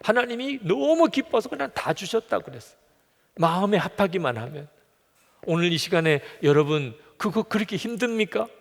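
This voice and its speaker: Preaching pastor, echoing sanctuary. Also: male voice, high voice, lively intonation, normal speed, creaky. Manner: earnest preaching, voicing God's words in quotes, dropping to a whisper at times. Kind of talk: sermon. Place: church sanctuary. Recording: long hall reverb.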